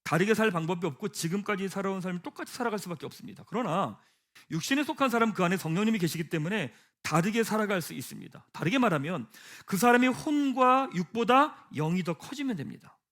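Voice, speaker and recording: A man preaches in a church sanctuary with a high, very animated voice. He drops to a hush, then builds to emphatic peaks, firing rhetorical questions at the congregation. He leads them in reading scripture aloud together. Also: fast. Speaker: pastor. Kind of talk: sermon.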